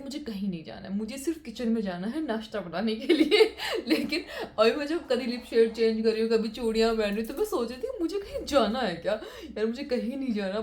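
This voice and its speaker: A young woman, chatting casually to viewers in a home vlog, repeating words for emphasis. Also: on the high side. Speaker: vlogger. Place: home, indoors.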